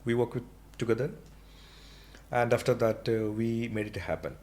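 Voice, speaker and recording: A man's voice: medium pitch, steady tone, moderate pace, darkish tone. A middle-aged man with an Indian accent answering as a guest in a conversational podcast interview, explaining and repeating phrases for emphasis.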